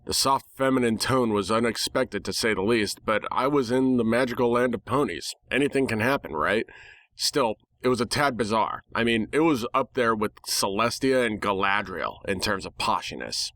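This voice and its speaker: A man's voice: on the low side, lively intonation, moderate pace, a bit bright, no room sound. Sardonic man narrating a story, dry close sound. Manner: sardonic, irreverent. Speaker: narrator reading fan fiction. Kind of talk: dramatic first-person story reading.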